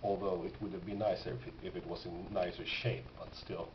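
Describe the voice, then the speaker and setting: A man talking casually and haltingly as he presents his collection, in an unscripted show-and-tell. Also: low voice, level tone. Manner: halting, pausing, thoughtful delivery. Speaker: record collector presenting finds. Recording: dull, noisy, echoey home recording.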